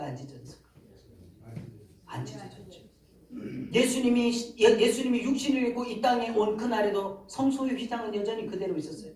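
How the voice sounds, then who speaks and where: A pastor preaching a sermon, asking the congregation questions and building to emphatic, loud passages. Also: mid-range voice. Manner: asks the congregation rhetorical questions. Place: church sanctuary. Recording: very echoey hall, mic far off.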